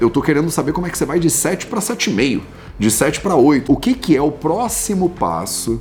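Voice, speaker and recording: Over music in the background, a man in a Rio de Janeiro accent speaks at a fairly quick pace and fairly high pitch with very wide pitch swings. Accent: carioca. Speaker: Ayurveda teacher, YouTuber. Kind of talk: casual advice talk to camera.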